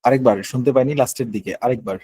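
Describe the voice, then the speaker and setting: A man's voice: mid-range voice, fast talker, mellow, slightly rough, no room sound. A man running a live online spelling quiz, counting down and spelling words out letter by letter. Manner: patient, explanatory. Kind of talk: live online class, calling on students.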